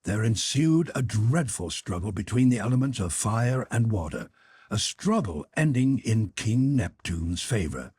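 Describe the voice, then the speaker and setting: A man's voice: lowish voice, sing-song, a little slow, a little mellow, breathy edge, full character voice. A man voicing a learned professor in an audiobook, articulate and didactic, explaining things with relish. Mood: explanatory.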